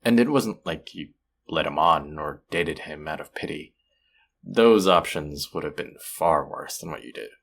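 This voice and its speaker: A man acting as a friendly young guy in an intimate audio drama. His voice sits very low, with a gravelly, husky grain. He talks gently and conversationally, sometimes hesitating, like someone sympathetic getting to know a new acquaintance. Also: exaggerated voice. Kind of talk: intimate one-sided audio roleplay acting.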